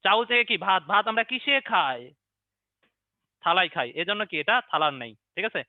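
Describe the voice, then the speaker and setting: A man's voice: high voice, expressive, normal speed, no echo. A young man teaching an online biology class, asking questions, answering them himself and repeating memory tricks. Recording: dry, narrow phone-like online stream.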